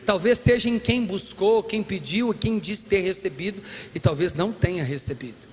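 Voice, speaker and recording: A man preaching a sermon as a pastor, animated and humorous, acting out bits of dialogue. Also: high voice, normal speed. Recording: long hall reverb, faint room noise.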